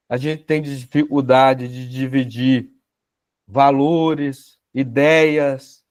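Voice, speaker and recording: A man's voice: on the high side, a little mellow, no room sound, clean studio sound. Brazilian man teaching a casual class. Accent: Brazilian Portuguese. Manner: conversational, tag questions, acts out dialogues. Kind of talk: spiritual self-knowledge class.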